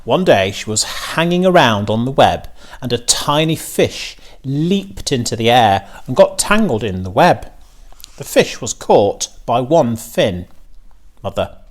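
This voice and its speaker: Storybook young farm girl, played by a man: imaginative, stubborn, earnest, excitable, unhurried with very lively intonation. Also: medium pitch. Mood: excited.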